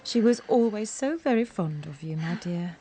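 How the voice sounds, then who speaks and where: A woman's voice: mid-range voice, animated, normal speed, mellow, close to an everyday voice. Scheming stepmother by an actress, sugary and lilting with a faint hiss of noise. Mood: sweet. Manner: honeyed, coaxing, insistent. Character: scheming, falsely sweet stepmother. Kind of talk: radio drama acting.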